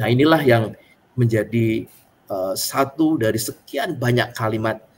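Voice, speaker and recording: The speaker is a man. There is some breathiness in his voice. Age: 60s. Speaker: guest. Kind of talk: testimony interview; testimony talk. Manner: hesitant fillers. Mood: warm, earnest. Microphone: webcam.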